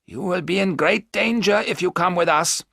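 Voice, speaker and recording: A man reading aloud, voicing a wise older professor who explains his plans in a measured, firm way. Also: high-pitched, vocal fry, a bit bright, dry recording, studio quality, pitched above the performer's own voice, heavily acted.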